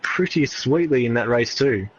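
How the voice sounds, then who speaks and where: A man's voice: medium pitch, animated, normal speed, lo-fi sound. A man, co-commentating a sim race in easygoing, chuckling chat.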